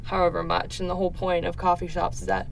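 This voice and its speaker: Casting: young woman from the Netherlands, lowish creaky voice, informal and tentative interviewee. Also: completely flat delivery, fast. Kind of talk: casual interview answers. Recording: distant mic, faint background noise.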